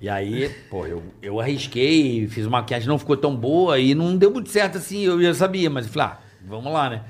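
A man's voice: medium pitch, lively intonation, fairly quick, darkish tone. Brazilian man, self-deprecating chat. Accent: Brazilian Portuguese. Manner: self-deprecating, recounts failures. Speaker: impressionist. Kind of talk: casual podcast chat.

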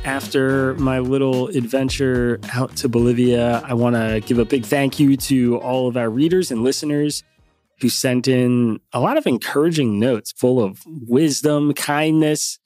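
A man's voice: medium pitch, darkish tone, dry recording, studio quality. Nasal, congested man hosting news. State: congested from a cold. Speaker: podcast host. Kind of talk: news podcast reading.

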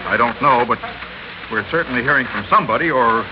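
An actor playing a thoughtful male scientist who heads an observatory, speaking hesitantly then gravely, in a vintage radio drama. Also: medium pitch, quick pace, lightly acted. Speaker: physicist. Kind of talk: 1960s radio drama acting. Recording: muffled old radio recording with loud noise.

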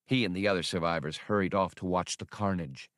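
A man narrates an adventure audiobook in a low voice. His delivery is measured and expressive, like a storyteller at work. The sound is very dry, with no room on it. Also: dry recording. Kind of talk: scripted dramatic narration of a science fiction adventure.

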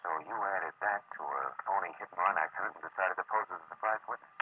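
An actor playing a hard-boiled, wry private detective in a 1940s radio drama, clipped and tough, narrating in noir style. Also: male voice, low-pitched, fast, natural voice. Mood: firm, low. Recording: muffled, noisy old radio recording.

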